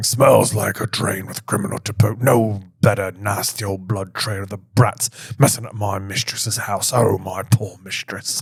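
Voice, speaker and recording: Using a put-on character voice, a man sounds hoarse and talks with hardly any pauses. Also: fairly low pitch for a man, moderate pace. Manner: muttering.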